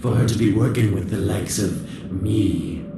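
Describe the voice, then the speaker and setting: An actor playing a sly, sardonic villain turned uneasy ally in a science-fiction game, taunting and theatrical, heard through an echoing, distant, noisy transmission. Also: male voice, lowish voice, steady tone, natural voice. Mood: mocking. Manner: slow, taunting, drawling, theatrical.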